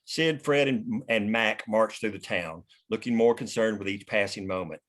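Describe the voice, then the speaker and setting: A man's voice: on the low side, normal speed, a bit bright. A man hosting a script table read, reading stage directions and chatting casually. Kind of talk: script narration and casual discussion.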